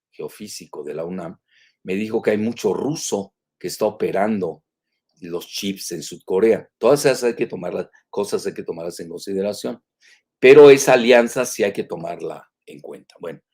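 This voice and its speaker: Older Mexican man hosting a live analysis show, low husky voice, rambling with lots of fillers and self-corrections. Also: darkish tone. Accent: Mexican Spanish. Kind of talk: live commentary, reading and remarking on news.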